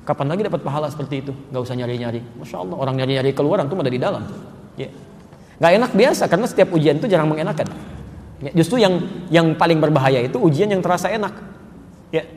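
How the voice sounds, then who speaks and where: A man preaching a sermon, telling stories with loud emphatic peaks and dropping soft for prayers. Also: a little high, lively intonation, fast talker, a little hiss or hum. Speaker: Islamic preacher. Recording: live talk in a reverberant hall with faint ambience.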